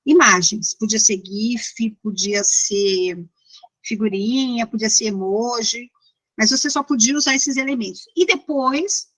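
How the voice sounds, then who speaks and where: A woman's voice: on the high side, measured pace, poor audio. A Brazilian woman with a São Paulo accent giving an informal, interactive lecture in a didactic, conversational way that checks in with listeners. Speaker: university lecturer.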